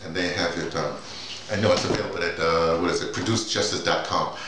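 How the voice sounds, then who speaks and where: A middle-aged man talking casually and off the cuff, halting, repeating words and drifting into digressions. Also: low-pitched, fairly even intonation. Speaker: playwright and audio drama director presenting his writing. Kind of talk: casual off-the-cuff vlog talk. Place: small bare-walled office, indoors. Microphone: camera mic a few feet away. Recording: distant mic, echoey room, noisy background.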